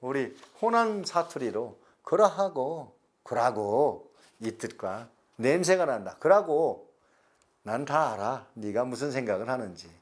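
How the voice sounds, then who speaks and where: A middle-aged man, giving a recorded lecture slowly and deliberately, stretching words and pausing. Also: medium pitch, lively intonation. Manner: slow, deliberate explanation with drawn-out words and pauses.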